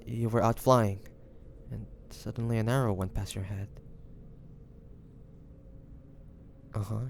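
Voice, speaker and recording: Man acting devoted young lover, low gravelly voice, tender, hesitant, anxious, romantic audio roleplay. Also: mellow, a little hiss or hum, natural voice. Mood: concerned, gentle. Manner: tender, hesitant, breathy sighs, addressing the listener. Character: devoted, anxious young man tending his wounded dragon-shifter beloved.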